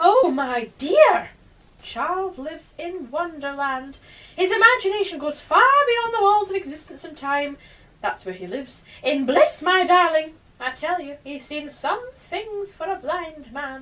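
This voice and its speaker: Putting on a character voice, a woman speaks at a moderate pace with an extremely high, breathy pitch, lively intonation and big swings in loudness. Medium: audio drama. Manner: airy, affectionate, nonsensical.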